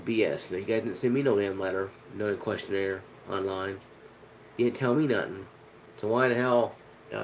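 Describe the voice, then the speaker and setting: A man with a fairly low voice, stuffy and nasal from a head cold, rants to his viewers about a grievance. He rambles, restarts his sentences and swears under his breath now and then. A faint hiss of background noise sits under the recording. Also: low-quality recording. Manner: rambling, frustrated, cursing, many restarts. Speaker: vlogger. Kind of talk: casual rant to camera.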